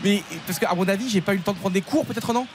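A man's voice: sits high, quick pace, noisy background. A man hosting a radio football show, bantering playfully and mocking himself. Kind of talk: joking studio chat about football.

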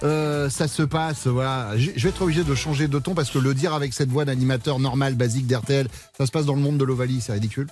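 A man's voice: medium pitch, steady tone, fast talker, few pauses, darkish tone, soft background music. A male radio host in casual, self-mocking studio chat.

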